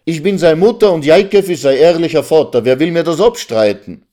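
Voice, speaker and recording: A man voicing a distraught Jewish village mother who laments loudly over her child's honor. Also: expressive, normal speed, lightly acted. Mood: wailing. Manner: lamenting, high and insistent.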